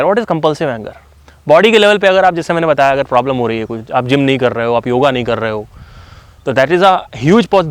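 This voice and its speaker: A man's voice: fairly high pitch, no echo. A man giving a casual motivational talk, speaking conversationally with fillers and frequent switches into English phrases. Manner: conversational, fillers like "you know".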